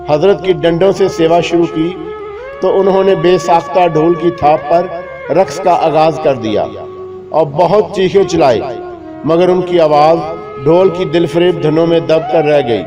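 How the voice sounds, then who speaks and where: Male narrator, fairly high voice, humorous moral tale, measured ornate phrasing, lo-fi recording. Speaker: story narrator. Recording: dull lo-fi recording with music behind. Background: clear background music.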